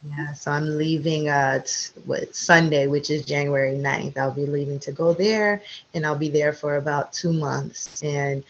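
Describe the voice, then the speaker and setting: A woman guest on a podcast, chatty and relaxed, with many fillers and restarts. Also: low-pitched, measured pace, slight background noise. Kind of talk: casual interview chat. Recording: slightly dull audio.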